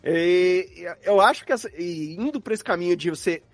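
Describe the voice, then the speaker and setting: A man's voice: sits high, lively intonation, moderate pace, no echo, soft background music. A man with a Brazilian accent talking casually as a guest sound designer, explaining his craft and acting out his thought process. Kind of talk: casual interview chat about craft.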